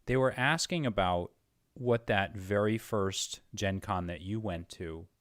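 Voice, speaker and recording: A man's voice: fairly low pitch, a little slow, a bit bright, no echo, clean studio sound. A man interviewing a guest in casual, informal chat, agreeable as he listens and asks questions. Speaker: interviewer, host of a live-streamed show.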